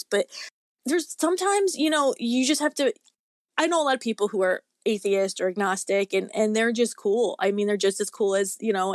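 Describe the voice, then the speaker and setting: A woman's voice: on the high side, no room sound, clean studio sound. A woman speaking as a guest author in a casual interview, talking in an earnest, rambling, tentative way.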